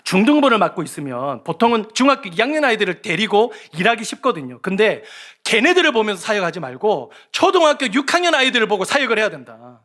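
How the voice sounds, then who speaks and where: A male pastor giving a lively sermon, telling stories and acting out the voices of children and teachers. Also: high-pitched, fast, few pauses. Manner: animated, acts out children's voices and shouts. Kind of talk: sermon with storytelling. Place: church sanctuary.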